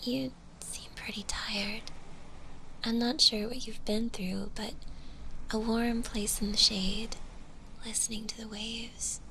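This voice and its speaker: A woman voicing a shy, gentle undead zombie girl in an ASMR roleplay, speaking softly and breathily in a hesitant, bashful way, often in a whisper. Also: fairly high pitch, flat delivery, a little hiss or hum, heavily acted, low-quality recording. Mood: soothing. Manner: hesitant, bashful, halting with small giggles.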